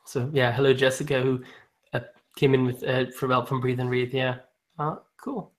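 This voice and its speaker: Hosting a loose live-stream book chat, this booktuber hesitates constantly, restarting sentences and filling gaps with ums and laughter. His mid-range voice moves with fairly even intonation at a normal speed.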